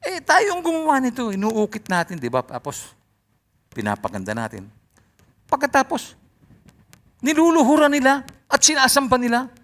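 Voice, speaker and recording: A man's voice: extremely high pitch, wildly swooping pitch, normal speed, long pauses, voice pushed up, heavily acted. A man voicing a blunt male statue carver who mocks the people who worship his work. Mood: scoffing. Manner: loud, raised, mocking.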